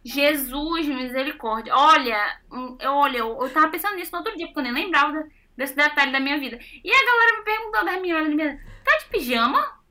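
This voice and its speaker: A young Brazilian woman chatting casually, telling stories with animated, self-mocking exclamations. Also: high voice, fast talker, few pauses. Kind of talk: casual chat.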